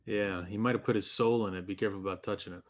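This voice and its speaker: Low-voiced male tabletop gamer. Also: steady tone, rapid-fire. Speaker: tabletop game player. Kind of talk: casual table talk.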